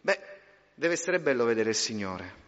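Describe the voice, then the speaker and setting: A man preaching a sermon, swinging between hushed low passages and loud emphatic rising appeals, with repetitive rhetorical build-ups. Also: very animated, normal speed. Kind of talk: Pentecostal-style sermon. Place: church hall. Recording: dull reverberant church hall recording.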